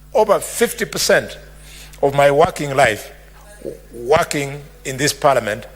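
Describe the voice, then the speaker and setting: The man talks at a fairly slow pace, leaving long, frequent pauses, while noticeable background noise carries on. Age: 60s. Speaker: senator. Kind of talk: parliamentary debate. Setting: parliament chamber.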